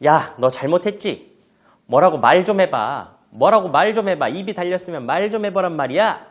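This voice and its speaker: A man voicing an angry middle-aged mother scolding her child, loud and raised in pitch. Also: lively intonation, normal speed. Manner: loud, shouting-style scolding.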